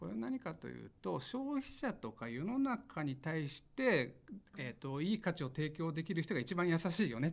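The recording is very clean, with a silent background. A man speaks at a fairly high pitch, his pitch swinging very widely. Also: moderate pace. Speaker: startup CEO. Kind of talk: interview.

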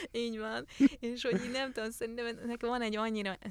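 A woman's bright, sharp-toned voice. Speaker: photographer. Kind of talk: casual chat. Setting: studio.

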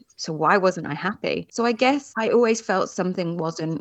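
A woman speaks at a moderate pace. She has a London accent. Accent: British, London. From London, England. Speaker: yoga and wellbeing founder, guest. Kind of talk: interview, casual chat.

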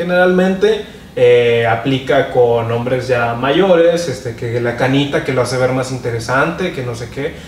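A man with a medium-pitched voice talks at a fairly slow pace with ordinary pitch variation. Noticeable background noise and audible room echo fill the recording. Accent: Mexican. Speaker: dating app advice co-host. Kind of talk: casual chat.

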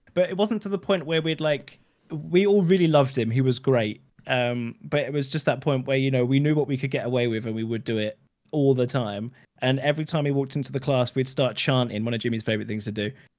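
In a British accent, a man talks at a very fast pace with ordinary pitch variation. The recording is very clean and the background silent. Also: medium pitch for a man. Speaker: podcast host. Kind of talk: casual chat.

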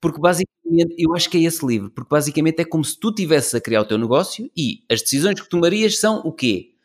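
At a very fast pace with lively intonation, the voice comes through on a very clean recording with a silent background. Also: man. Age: 40s. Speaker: podcast co-host. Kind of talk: casual chat.

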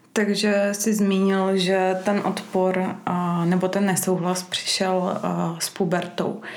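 A woman with a medium pitch, monotone, flat intonation and a very slow pace with hardly any pauses, amid noticeable background noise and audible room echo. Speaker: podcast host. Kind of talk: interview.

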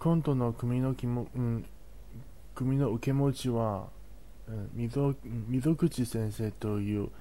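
A man speaks very slowly with a Chinese accent. His medium pitch carries a dark, mellow tone and ordinary pitch variation. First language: Chinese (speaking Japanese). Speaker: Japanese reading participant, teacher. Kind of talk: reading aloud.

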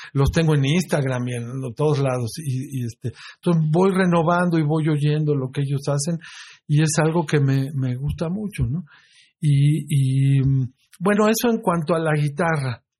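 A man with a Mexican accent speaks at a fairly high pitch, somewhat breathy. His pace is fairly slow, with ordinary pitch variation. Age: 60s. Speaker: guitarist and music teacher. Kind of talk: casual interview chat.

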